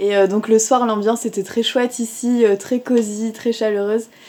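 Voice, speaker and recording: A moderate pace and monotone, flat intonation, set against noticeable background noise. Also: woman. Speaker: travel vlogger. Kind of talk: travel vlog narration. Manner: hesitant, many fillers.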